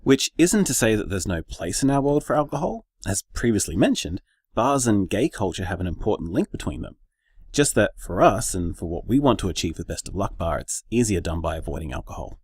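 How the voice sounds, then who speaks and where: An actor playing an earnest gay bar co-owner in a radio drama interview, with an Australian accent and an articulate, measured manner. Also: male voice, lowish voice, very animated, a little mellow, breathy edge, no echo, clean studio sound, heavily acted.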